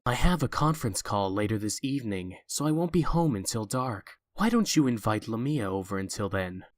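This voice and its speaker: A man's voice: lowish voice, sing-song, fairly quick, dry recording. An actor playing a stern, guarded young businessman and protective older brother, speaking in a curt, restrained way in an audio drama. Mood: reserved, fond.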